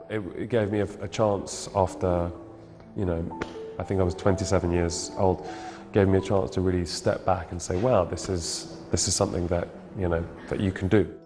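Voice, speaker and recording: A man in his thirties, a painter, talking thoughtfully about his work and often searching for words. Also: sits low. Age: 30s. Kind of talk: reflective interview monologue. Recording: reverberant room with music underneath.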